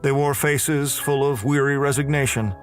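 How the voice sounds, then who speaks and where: An actor playing an unrepentant condemned murderer who narrates his own execution in a heavy, deliberate horror audio drama style. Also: mid-range voice, fairly even intonation, natural voice. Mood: grim, resigned. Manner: slow, heavy, deliberate, halting delivery. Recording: music under the voice.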